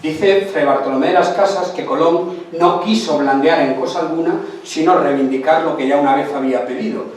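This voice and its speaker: A man giving a lively, theatrical history lecture, recorded in a lecture hall. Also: a little high, a little fast, hardly any pauses. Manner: theatrical storytelling. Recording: echoey hall from far off.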